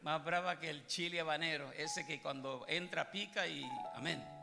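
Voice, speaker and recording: A pastor jokes his way through a sermon and teases his listeners. His voice is high with a gravelly edge. He is heard in a large church hall with long reverb and music under him. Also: steady tone, normal speed. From Puerto Rico. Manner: joking, teasing the congregation. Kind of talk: comic sermon. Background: music playing.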